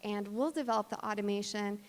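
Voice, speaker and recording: A woman's voice: medium pitch, brisk. Woman presenting in a very echoey hall. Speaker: conference speaker, cloud cost practitioner. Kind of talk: conference presentation, explanatory. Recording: long hall reverb.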